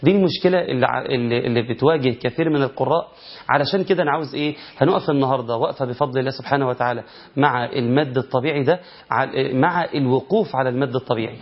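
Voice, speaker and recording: A man with an Egyptian accent teaching Quran recitation, asking rhetorical questions and chanting drawn-out verses to show the rules. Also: medium pitch. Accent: Egyptian Arabic. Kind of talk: recitation lesson. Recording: lo-fi muffled recording.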